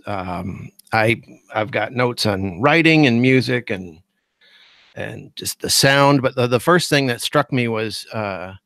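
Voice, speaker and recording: Man, guest podcast host, enthusiastic fan gushing, slow delivery, dry close sound. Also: mid-range voice, a bit bright, no room sound. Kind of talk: casual podcast chat.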